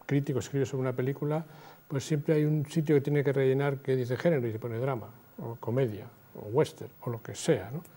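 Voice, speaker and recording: With fairly even intonation, a man's voice comes through in a dark, mellow tone. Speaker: panelist. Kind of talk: studio panel discussion. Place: studio. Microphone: lapel.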